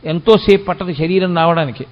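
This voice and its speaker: A man giving a devotional discourse. He chants verses slowly and then presses his point in quick rhetorical questions. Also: on the high side, big-room sound, dull audio. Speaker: spiritual lecturer.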